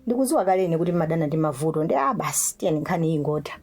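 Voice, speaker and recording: A woman's voice: low-pitched, animated, rapid-fire, a little mellow, husky, heavily acted. An actress playing a trusting, pious young churchwoman in a radio drama, with a Malawian accent. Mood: indignant. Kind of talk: vernacular radio drama acting.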